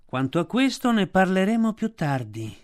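A man's voice: sits high, lively intonation, unhurried, darkish tone, pitched above the performer's own voice. A man voicing a proud female panther who speaks curtly and dryly. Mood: stern. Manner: curt and dry.

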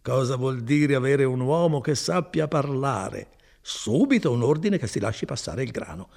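A man voicing a chatty, good-hearted older male cousin, a foreman, in an animated folksy manner with chuckles. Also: mid-range voice, moderate pace, vocal fry, voice pushed up.

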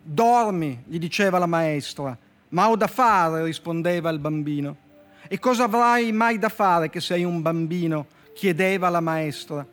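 A man with a Turin accent, a poet guest on a radio show, reading his short comic fables in a dry, deadpan way with slow pauses before the punchlines. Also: fairly high pitch. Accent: Italian, from Turin. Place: radio studio. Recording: music bed playing faintly behind.

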